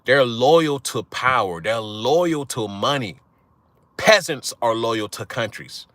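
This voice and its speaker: A man's voice: mid-range voice, lively intonation, takes it slowly, a bit bright, dry recording. A young man, talking straight to his viewers in a casual monologue. He is blunt and profane, and he keeps asking "right?" to drive his points home. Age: young adult. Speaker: channel host.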